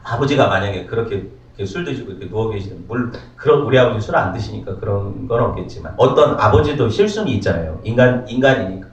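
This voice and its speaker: A man's voice: fairly low pitch, lively intonation, quick pace, hardly any pauses. A male pastor preaching a sermon, throwing many rhetorical questions at the congregation. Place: church sanctuary. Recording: roomy, distant, dull church recording.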